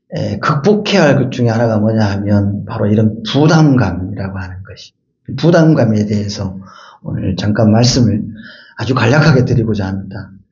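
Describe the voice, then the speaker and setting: With audible room echo, a man speaks at a fairly low pitch, his loudness swinging widely and his pitch varying in an ordinary way. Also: moderate pace. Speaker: pastor. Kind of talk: sermon. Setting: church.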